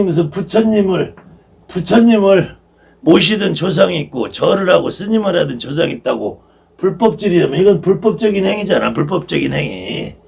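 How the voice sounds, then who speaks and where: A man's voice: on the high side, vocal fry, a little mellow, recorded from a distance. A man lecturing as a shaman teacher, emphatic and repetitive, scornfully firing off rhetorical questions, recorded from a bit away from the mic.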